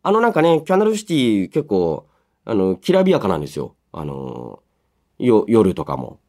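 Radio host, male, 30s. Very lively intonation, casual and chatty delivery. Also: fairly low pitch, normal speed. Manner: animated, chatty, interjects own reactions while reading. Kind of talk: casual radio chat, reading listener mail and reacting.

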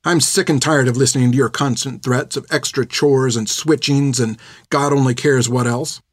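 A defiant, sharp-tongued teenage girl, as a male storyteller puts her on in a lifted voice. She snaps back and throws insults without holding back. The sound is dry and close. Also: fairly high pitch, lively intonation, a little fast, breathy edge, dry recording, pitched above the performer's own voice. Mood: furious.

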